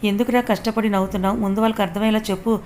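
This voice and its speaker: A woman's voice: medium pitch, fairly even intonation, very fast, darkish tone, a little hiss or hum, close to an everyday voice. A woman reading the lines of a hot-tempered young man, snappish and complaining. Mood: irritated.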